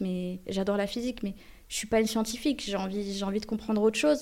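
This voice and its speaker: Over a silent background in a very clean recording, a woman speaks with a dark, mellow tone, a fairly high pitch and fairly even intonation. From Algeria (Blida), France from age 8. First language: Arabic (speaking French). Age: 30s. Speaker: music journalist and publisher. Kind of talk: casual interview chat.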